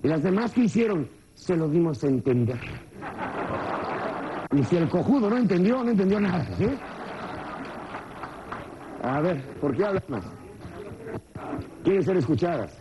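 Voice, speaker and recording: Animated man quizzing a seminar audience. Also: on the high side, measured pace, long pauses, background noise. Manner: animated, joking, constantly questioning the audience. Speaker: motivational seminar speaker. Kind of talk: live seminar talk with audience questions. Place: seminar room with a live audience.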